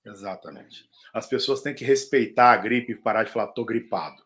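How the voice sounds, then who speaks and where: Animated male doctor explaining casually. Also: on the low side, fairly quick. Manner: explanatory, animated, jokey asides. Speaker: pulmonologist. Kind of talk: casual live-stream medical chat.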